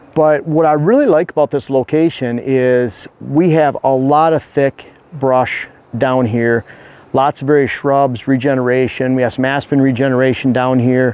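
In a dry sound with no echo, a man talks at a moderate pace with fairly even intonation and very even loudness. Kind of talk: outdoor tutorial. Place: forest.

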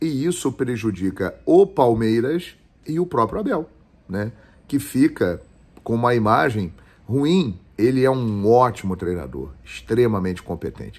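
Speaking at a fairly slow pace, a man makes very wide pitch swings. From Brazil. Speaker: football commentator and YouTuber; football commentator, YouTuber. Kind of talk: sports commentary monologue. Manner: animated. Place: home room. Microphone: phone near.

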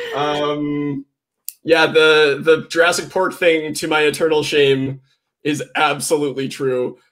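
In a Canadian Maritime accent, a man speaks at a fairly high pitch and a fairly slow pace, with monotone, flat intonation. The background is quiet. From Atlantic Canada (Nova Scotia). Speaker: comedy podcaster. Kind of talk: comedic game show banter. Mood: joking, laughing, self-deprecating. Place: home room.

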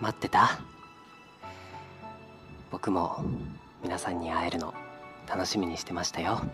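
Clear music plays behind a man who speaks at a moderate pace in a very deep, low voice. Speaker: voice actor. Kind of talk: ASMR-style greeting to listeners. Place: studio. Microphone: studio mic.

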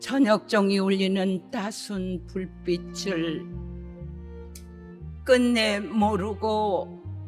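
Music plays behind a woman's voice. She talks at a very slow pace. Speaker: voice actor. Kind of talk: poetry reading.

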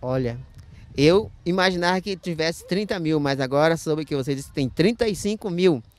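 At a fairly slow pace, a man with a fairly high pitch uses lively intonation in a dry sound with no echo. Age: 40s. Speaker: cyclist. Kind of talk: interview. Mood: cheerful, grateful. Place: open country. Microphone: handheld.

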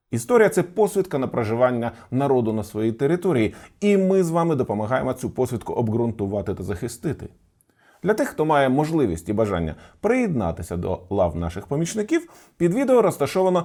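Against a silent background in a very clean recording, a man with a dark, mellow tone talks at a fairly quick pace through very wide pitch swings. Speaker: history video presenter. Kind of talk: scripted narration.

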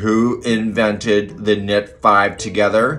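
A man's growling, put-on character voice, fairly low in pitch, at a fairly slow pace, with light background noise. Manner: angry, growling.

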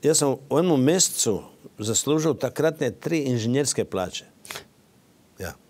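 A man's fairly high voice with a Croatian accent and lively intonation. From Croatia, Dalmatia. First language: Croatian (speaking Slovenian). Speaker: former member of parliament, author; interview guest. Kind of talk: interview. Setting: studio. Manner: halting, many fillers. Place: studio. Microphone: lapel.

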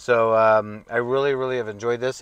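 Against a quiet background, a man rushes at a very fast pace in a flat monotone, the sound dry with no echo. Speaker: car-living vlogger. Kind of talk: casual vlog tutorial. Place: car. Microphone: lapel.

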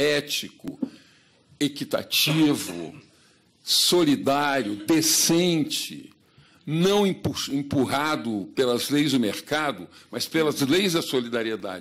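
A man's fairly high voice with very wide swings in pitch. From Brazil. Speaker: public health researcher; panelist. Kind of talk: seminar talk. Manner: conversational. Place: hall. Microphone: podium.

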